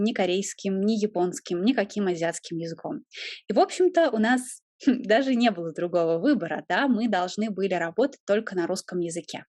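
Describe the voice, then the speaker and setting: A woman's voice: medium pitch, a little mellow, dry recording. Young woman teacher explaining stuff, lots of little ums, dry close sound. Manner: thoughtful, explanatory, with frequent hesitations. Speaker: guest, Russian teacher. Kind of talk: conversational interview.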